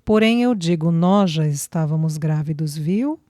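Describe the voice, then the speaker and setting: Woman reads a gentle, affectionate young mother-to-be; mellow, soft. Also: sits low, animated, measured pace, dry recording, studio quality. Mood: tender, joyful. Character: tender young woman, newly pregnant.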